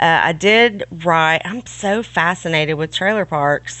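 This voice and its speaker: With a Southern US accent, a woman speaks at a fairly low pitch with ordinary pitch variation. Her pace is fairly slow. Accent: Southern US country. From Arkansas, US South. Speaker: author, former police officer. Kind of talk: podcast interview. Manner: casual, hesitant with fillers.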